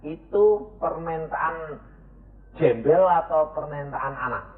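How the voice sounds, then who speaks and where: A man preaching a sermon, swinging between high cries and low murmurs as he questions his congregation. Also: slow. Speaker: evangelist preacher. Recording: echoey, tinny lo-fi sermon tape.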